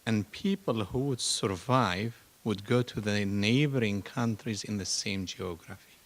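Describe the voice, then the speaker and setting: A man who is a church archbishop, giving measured, deliberate remarks at a symposium panel. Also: fairly low pitch. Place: university symposium hall.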